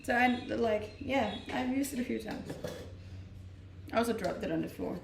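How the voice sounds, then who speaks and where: A chatty woman in her twenties from Denmark, talking loosely to her live stream viewers and often breaking into laughs. Her voice has a gravelly fry, and she sits back from the mic in a roomy, echoey space with a faint hiss underneath. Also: fairly high pitch, moderate pace, distant mic. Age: 20s. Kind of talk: casual chat reading stream comments.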